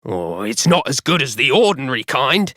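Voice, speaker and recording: A man's voice: medium pitch, big pitch swings, moderate pace, pushed and bright, no room sound, studio quality. A man voicing a grumpy, dim old husband in a children's audiobook, grumbling and exaggerated.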